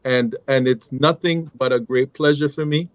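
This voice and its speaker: A man's voice: mid-range voice, normal speed, no room sound, muffled recording. Laughing middle-aged man telling stories. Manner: animated, laughing, many restarts. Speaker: guest. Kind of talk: storytelling in conversation.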